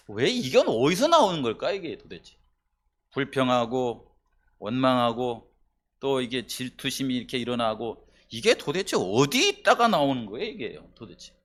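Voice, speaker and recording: A man preaching a sermon to his church congregation. His voice sits fairly high for a man. He talks in a conversational way, tossing questions to the listeners, and swings between loud emphatic bursts and low, quiet asides. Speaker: pastor.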